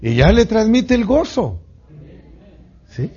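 A man preaching a sermon in an animated way, swinging between loud bursts and hushed asides. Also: high voice, slow pace, breathy edge. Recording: dull lo-fi recording.

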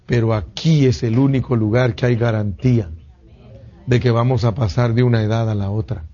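A man preaching a sermon in an animated way, swinging between loud bursts and hushed asides. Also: medium pitch, breathy edge. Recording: dull lo-fi recording.

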